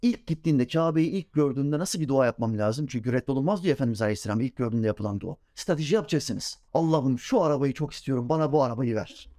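A man preaching a sermon in an animated way, asking rhetorical questions and joking with his listeners. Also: medium pitch, fast talker, few pauses, no echo, clean studio sound.

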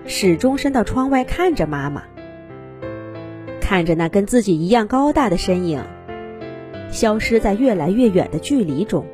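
A woman narrating a scripted fairy tale for young children in an animated, expressive storytelling manner. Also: mid-range voice, normal speed, pauses often, over music.

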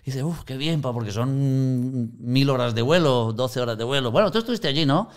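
Telling stories about Christian mission in a conversational teaching style, a man brings quotes to life by acting out the voices. He has a clean, mid-range voice and speaks at a moderate pace.

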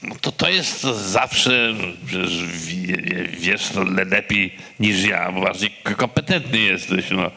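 A man giving halting spontaneous remarks at a public discussion, with a pronounced stammer that repeats syllables. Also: low-pitched, gravelly, bright, forceful tone. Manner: halting, hesitant. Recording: reverberant hall.

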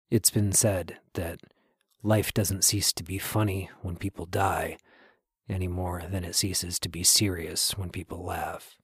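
A man with a husky, breathy voice narrating a scripted podcast introduction in a measured, earnest way. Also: sits low, no echo, clean studio sound. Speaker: podcast writer, producer and host.

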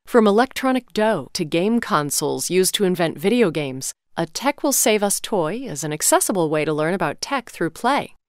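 A woman reading scripted sponsor messages in a clean, even way. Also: fairly low pitch, moderate pace, few pauses, no room sound, studio quality. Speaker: sponsor announcer.

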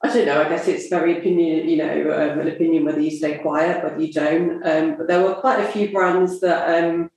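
A woman with a southern English accent co-hosting a casual marketing chat, talking with frequent fillers and pauses. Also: deep voice, steady tone, darkish tone. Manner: hesitant, many fillers. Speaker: podcast co-host. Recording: echoey room.

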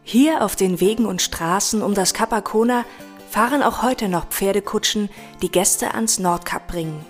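A woman's voice: medium pitch, moderate pace, faint music behind. A woman narrating a scripted history guide in a storytelling style.

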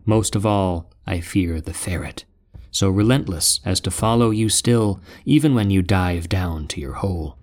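A man's voice: sits low, animated, unhurried, a little mellow. Man voicing Crumb Snatcher, a doomed solemn mouse. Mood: fearful. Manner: solemn epic recitation. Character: doomed male mouse, fearful then defiant.

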